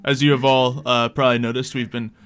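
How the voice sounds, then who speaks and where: A man's voice: medium pitch, little pitch movement, fast talker, a bit bright, smooth, faint music behind. A man hosting a roleplay game stream, chatting casually and narrating the adventure off the cuff. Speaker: game master and stream host. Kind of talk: casual livestream chat and improvised tabletop narration.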